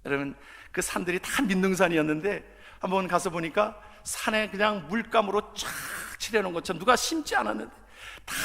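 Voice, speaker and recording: A middle-aged male pastor preaches with a high, bright, forceful voice. He moves between quiet, chatty asides and ringing proclamations of scripture. His words bloom in the long reverb of a church sanctuary. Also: vocal fry. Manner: fervent preaching, swings from soft asides to loud proclamations. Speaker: senior pastor. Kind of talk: sermon.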